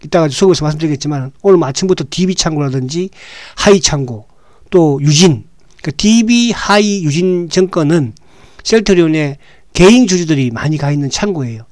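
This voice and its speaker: A hoarse man hosting a stock market show, talking casually and often checking in with "right?". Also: on the high side, lively intonation, darkish tone, no room sound, studio quality. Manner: talks with frequent "right?" tag questions, halting restarts.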